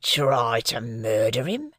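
A reader doing a gruff, scornful old convict. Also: expressive, takes it slowly, dry recording, studio quality, exaggerated voice. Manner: low, muttering, scornful, half-whispered. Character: older male convict, gruff, disdainful, hard.

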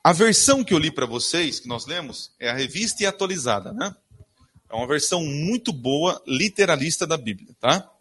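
Preaching in a church, a man reads verses from the Bible and quizzes his congregation, supplying the answers himself. His husky voice is on the high side and sing-song, with a fairly bright tone and a moderate pace.

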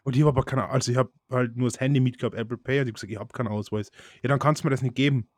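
A man's voice: medium pitch, steady tone, dry recording. Young Austrian guy for a podcast chat, mid voice, dry close sound, chatty storyteller. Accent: Austrian German. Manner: chatty, storytelling, quick laughs. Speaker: podcast co-host. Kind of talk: casual chat.

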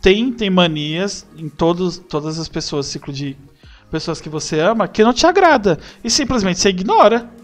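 A young Brazilian man chatting as a podcast guest, animated and acting out bits of dialogue. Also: high voice, moderate pace, faint music behind. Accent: Brazilian Portuguese. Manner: animated, acts out quoted dialogue. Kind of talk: casual chat.

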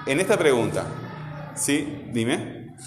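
A man's voice: mid-range voice, very animated, takes it slowly, music in the background. A man teaching a classroom grammar lesson, asking questions patiently and repeating key points. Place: classroom with a voice-bouncing echo. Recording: echoey classroom with long reverb.

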